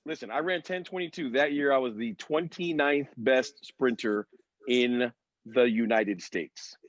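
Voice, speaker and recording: A man's voice: medium pitch, unhurried, dull audio. A man in a casual sports panel chat, telling stories and explaining his points emphatically with frequent check-ins to his listeners. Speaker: former sprinter and decathlete on a sports talk panel.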